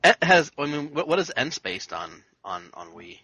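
A man's voice: fairly high pitch, big pitch swings, normal speed, sharp tone, slightly rough, dry recording. A man on a casual podcast who talks through a quiz question aloud, hesitating and stammering with repeated words. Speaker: podcast panelist, quiz contestant.

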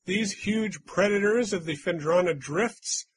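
A slightly higher, husky male voice runs a trivia game for friends. He reads clues aloud and teases the contestants in a loose, chatty way. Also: measured pace. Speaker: quiz host. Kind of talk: casual game-show chat with friends.

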